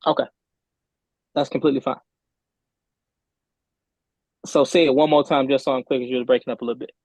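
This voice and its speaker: A man's voice: mid-range voice, fairly even intonation, brisk, darkish tone, dry recording. A man speaking as a defendant in a remote court hearing over buzzy, glitchy call audio, stammering and repeating words as he presses his point. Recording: dull, dry call line.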